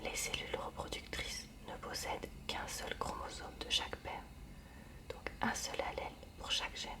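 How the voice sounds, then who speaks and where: A woman reading a textbook aloud in a hushed library whisper for ASMR, with short informal asides. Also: normal speed, recorded from a distance.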